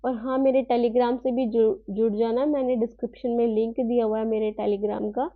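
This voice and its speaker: A woman teacher giving an online class, reading English lines slowly and explaining them, with rhetorical checks to her students. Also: a little high, little pitch movement, no echo, phone-quality sound. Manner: asks rhetorical questions, tag "है ना".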